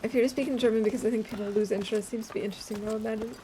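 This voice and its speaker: A woman's voice: on the high side, fairly even intonation, very fast, dark tone, slight background noise. Chatty woman streamer who laughs a lot. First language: English. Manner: chatty, laughs often, reads and answers chat. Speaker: game streamer. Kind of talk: casual chat while playing.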